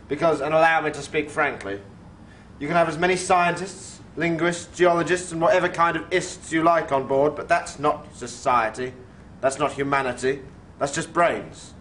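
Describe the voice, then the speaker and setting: A man's voice: a little high, normal speed, fairly bright tone, a little hiss or hum, close to an everyday voice. An actor playing an earnest male government official in a 1950s-style B movie, speaking frankly and in a preachy, speech-giving way. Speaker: government representative.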